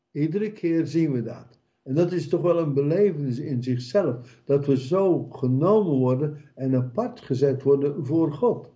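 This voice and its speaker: A man preaching a sermon in a slow, emphatic way, repeating key words for weight. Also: medium pitch, warm tone, muffled recording.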